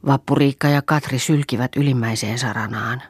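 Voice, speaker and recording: A woman narrating an audiobook in a calm, even storytelling manner. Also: a bass voice, husky, dry recording. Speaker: audiobook reader.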